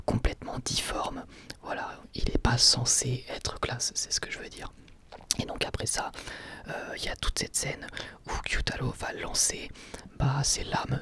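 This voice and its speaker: Male ASMR reviewer: sustained whisper, bright edge, casual halting phrasing. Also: medium pitch. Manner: whispering throughout, hesitant informal delivery. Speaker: ASMR YouTuber reviewing anime.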